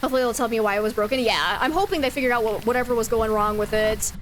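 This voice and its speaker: A woman with a fairly high voice races through her words against slight background noise. During her casual gameplay stream she talks with viewers, laughs frequently, and reads out chat.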